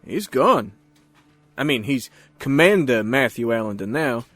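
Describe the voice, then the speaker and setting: Lively-pitched, easygoing cop. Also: male voice, unhurried, dry recording, soft background music. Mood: wry. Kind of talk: naturalistic audio drama acting.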